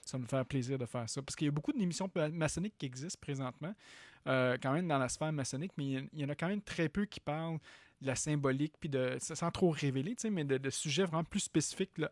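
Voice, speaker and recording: A man's voice: medium pitch, no room sound, studio quality. A man with a Québécois accent hosting a podcast, talking casually with many fillers and restarts. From Quebec. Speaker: podcast host.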